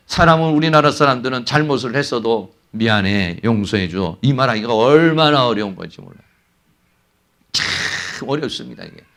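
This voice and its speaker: Emphatic older pastor preaching. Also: male voice, fairly high pitch, bright, forceful tone. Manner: emphatic, asks rhetorical questions and answers them. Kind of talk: sermon. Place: church sanctuary.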